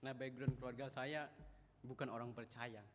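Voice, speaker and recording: A man in his twenties preaching a sermon in a church, chatty and animated, acting out the voices he quotes. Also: medium pitch, normal speed. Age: 20s. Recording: echoey church hall.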